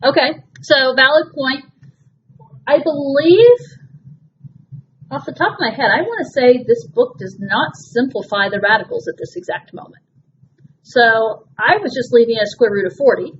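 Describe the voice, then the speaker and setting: With a high, expressive voice at a moderate pace, a woman math teacher patiently walks her class through a problem, reassuring them as she goes. The lesson was captured on a dull, lo-fi recording with a faint hiss.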